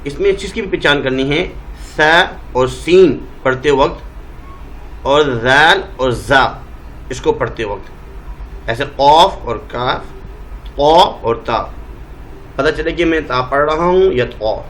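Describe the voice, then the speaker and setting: Pakistani Urdu male teacher, somewhat high voice, stretches out letter sounds for students, faint hum behind. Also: fairly bright tone, low-quality recording. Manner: draws out letter names slowly, modelling pronunciation. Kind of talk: Quran reading lesson.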